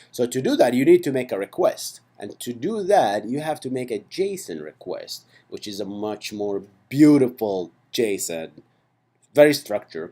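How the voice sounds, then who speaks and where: A man walking through code in a relaxed screen-recorded lesson. His pitch rises and falls a lot as he talks, and his tone is mellow and dark. He chats along playfully and keeps checking in with the viewer. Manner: chatty and playful, with frequent "right?" and "okay" asides. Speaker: programming instructor. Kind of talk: casual screen-recorded coding tutorial.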